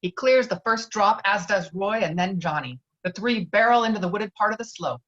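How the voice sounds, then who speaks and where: A woman narrates the action lines of a screenplay at a virtual table read. Her pitch is medium. The recording is a little dull, like online call audio. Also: lively intonation, normal speed, fairly bright tone. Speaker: stage directions narrator. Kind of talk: scripted narration of screenplay directions.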